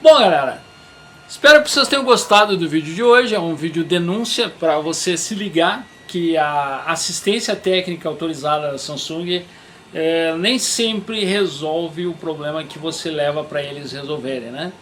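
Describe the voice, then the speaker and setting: A man's voice: on the high side, lively intonation, normal speed, a bit bright, slight background noise. A man, the channel host, wrapping up the video for viewers with crude jokes.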